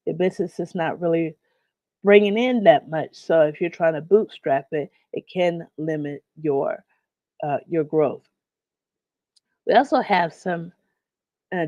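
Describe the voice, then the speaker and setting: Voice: medium pitch, a little mellow, dry recording, muffled recording. Slightly nasal host getting over a cold. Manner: conversational, greets viewers in the chat by name. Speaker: host of a live online business series. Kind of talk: live-streamed business lesson.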